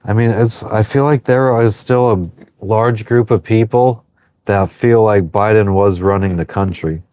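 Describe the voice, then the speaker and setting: Thirtysomething guy on a boat livestream, lowish voice, cussing a lot, dry close sound. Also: a little slow, darkish tone, dry recording. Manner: swears freely, chatty and offhand. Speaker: livestream host. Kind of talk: casual live chat reading viewer comments. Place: on an anchored sailboat.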